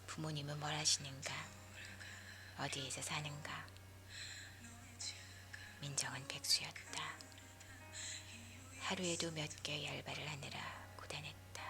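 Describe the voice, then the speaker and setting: A woman leaning in to whisper a story for sleep in a hushed, breathy ASMR narration. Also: low voice. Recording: music behind the voice. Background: music.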